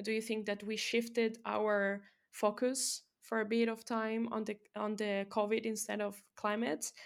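With an Italian accent, a woman speaks at a fairly slow pace in a flat, monotone intonation. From Italy. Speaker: podcast host. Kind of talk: interview.

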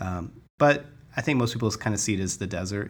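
In a very clean recording with a silent background, a man with an unremarkable speaking voice talks at a fairly quick pace and a fairly low pitch. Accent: American. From Arizona, Tucson. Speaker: church software developer. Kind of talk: casual interview.

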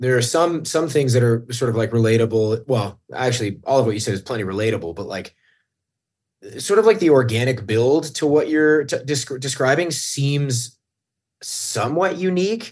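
An ordinary speaking voice from a man, an ordinary speaking voice at medium pitch and moderate pace, over a quiet background. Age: 30s. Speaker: podcast co-host. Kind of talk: casual interview.

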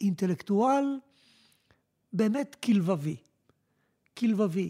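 The intonation is lively and the tone dark and mellow. The sound is dry and close with no echo, on a very clean recording with a silent background. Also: man. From Israel, immigrated from Morocco at age four. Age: 70s. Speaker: professor emeritus. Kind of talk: interview.

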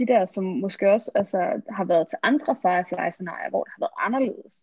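Somewhat breathy, a woman's voice sits fairly high in pitch. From Køge area, Zealand, Denmark. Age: 20s. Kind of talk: casual interview. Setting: video call.

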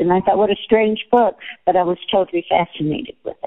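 This is a woman with an American accent and a medium pitch. She has an ordinary speaking voice with ordinary pitch variation. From United States. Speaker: podcast host. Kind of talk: casual chat.

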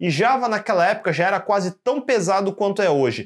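The speaker talks at a moderate pace with ordinary pitch variation. The recording is very clean, with a silent background. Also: man. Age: 40s. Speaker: tech YouTuber, software developer. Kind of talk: tutorial.

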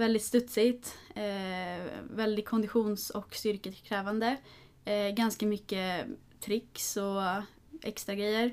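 A woman with a fairly high pitch speaks at a very slow pace in a monotone, flat intonation. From Stockholm, Sweden. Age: 20s. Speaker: personal trainer and dietetics student. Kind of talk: casual interview.

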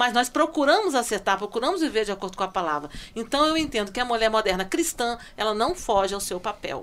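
Talking very fast, a woman's fairly high voice swings very widely in pitch. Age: 50s. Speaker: church women's leader and Sunday school teacher. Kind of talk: casual chat.

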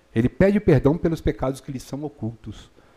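Somewhat breathy and dark, mellow in tone, the voice moves at a very fast pace with lively intonation. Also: man. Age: 50s. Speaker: guest preacher. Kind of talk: sermon. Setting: church.

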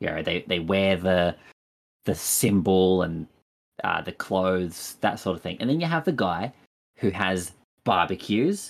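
An Australian man speaks very deeply and fairly slowly, with long, frequent pauses and ordinary pitch variation. The recording is very clean, with a silent background. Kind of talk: casual chat.

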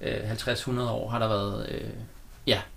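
A man speaks with vocal fry. Audible room echo surrounds his voice. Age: 40s. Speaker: IT specialist and activist. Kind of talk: casual chat.

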